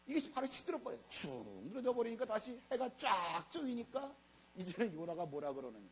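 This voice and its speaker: A man's voice: very high-pitched, sing-song, a little fast. A middle-aged male pastor giving a Sunday sermon in a colloquial, emphatic way, full of rhetorical questions. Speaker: senior pastor. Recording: mains hum.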